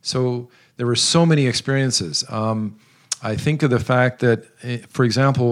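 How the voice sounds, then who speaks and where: A man in his sixties who grew up in South America, giving earnest, measured interview answers with frequent pauses and restarts. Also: medium pitch. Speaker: guest, retired missionary.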